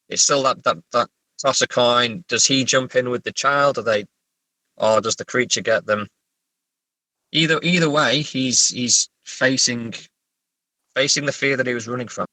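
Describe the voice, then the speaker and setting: A man with a bright, forward voice in a close, dry recording speaks as a writer being interviewed. He is casual and reflective, halting and repeating words while he gathers his thoughts. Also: mid-range voice, dry recording, rough recording. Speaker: writer, podcast guest.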